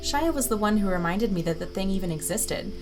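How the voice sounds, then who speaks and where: A woman playing an excitable, caring young female psychic friend in an audio drama. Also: mid-range voice, a little fast, music in the background, natural voice. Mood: relieved, upbeat.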